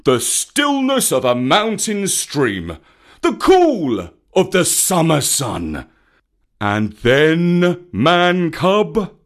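A big old bear from a storybook, acted out by a man, stern and tender at once. The speech is slow and weighty, with forceful emphasis and archaic turns of phrase, swinging widely in pitch like a schoolmaster lecturing a pupil. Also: huge pitch swings. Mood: angry, stern. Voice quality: rumbling, weighty.

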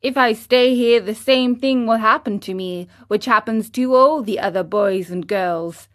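A woman reading a storybook aloud, voicing a naughty, hot-tempered boy marionette who talks loudly and defiantly. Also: fairly high pitch, measured pace. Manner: loud, defiant and impatient.

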